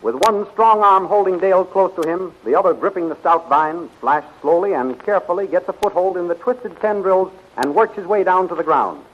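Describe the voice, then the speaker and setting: High-pitched man announcing on old radio. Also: animated, brisk, hardly any pauses, slight background noise. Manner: dramatic, declamatory. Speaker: announcer and narrator. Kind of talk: scripted 1930s radio serial narration. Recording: dull, vintage 1930s radio recording.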